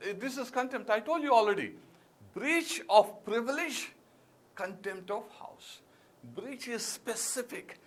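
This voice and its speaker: Lively Indian-accented male lecturer. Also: high-pitched. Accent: Indian English. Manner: emphatic, lively, with many fillers and repeated key words. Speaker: civil services exam teacher. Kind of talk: classroom lecture.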